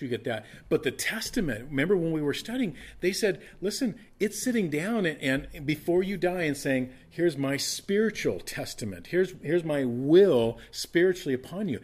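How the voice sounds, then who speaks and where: A man in his fifties preaching a casual, conversational sermon, often restarting and repeating words. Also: medium pitch. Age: 50s. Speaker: pastor.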